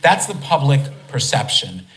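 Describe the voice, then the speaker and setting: An American man hosting a live talk in a conference hall, chatty and energetic, with many restarts. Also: medium pitch, measured pace. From United States. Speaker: event host and speaker.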